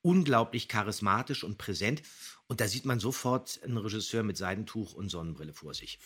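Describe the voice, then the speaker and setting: A man's voice: on the low side, animated, a little fast, a bit bright, slightly rough. A man hosting a podcast, giving conversational commentary on audio dramas. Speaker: podcast host.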